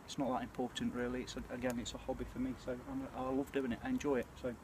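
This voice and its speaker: Sitting outdoors by a small campfire at night, a British man in his forties who vlogs about bushcraft reflects casually to camera in a hesitant manner, clearing his throat. He speaks fast and flatly in a mid-range voice, and the fire's ambience comes through clearly.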